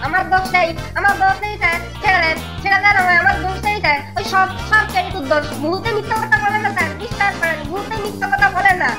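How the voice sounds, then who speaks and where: A woman's voice: very high-pitched, quick pace, few pauses, over music. A woman voicing an eager, fawning young male skeleton ghost in a children's cartoon, repeating himself. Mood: frightened, pleading. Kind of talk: Bengali children's cartoon voice acting.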